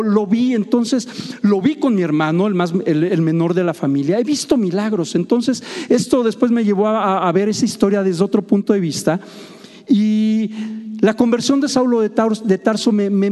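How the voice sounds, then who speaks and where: A man preaches a sermon, his voice pitched high yet mellow and soft-edged. He reads scripture, then retells it as an animated story with jokes for his listeners. The sound rings out with a long reverb, as in a large hall. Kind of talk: sermon with Bible reading.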